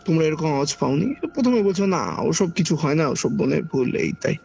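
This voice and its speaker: Speaking briskly and expressively, a man with a Kolkata Bengali accent recalls his own eerie encounter as a podcast guest, his husky, gravelly voice slightly high and darkish. He keeps it conversational yet dramatic, repeating phrases for emphasis. Background music plays over the dull lo-fi recording.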